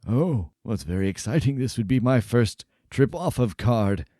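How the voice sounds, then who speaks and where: Professor, tabletop fantasy, played by a man: polite, formal, quietly curious, measured delivery, dry close sound. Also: medium pitch, lively intonation, no room sound, natural voice. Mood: polite wonder. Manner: formal, measured, softly spoken. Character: polite, curious professor new to other worlds. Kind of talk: in-character tabletop role-play.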